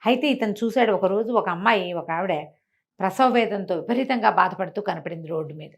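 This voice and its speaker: A woman telling moral tales aloud in an animated, conversational way, explaining as she goes and acting out dialogue. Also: medium pitch, fairly quick, creaky. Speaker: storyteller.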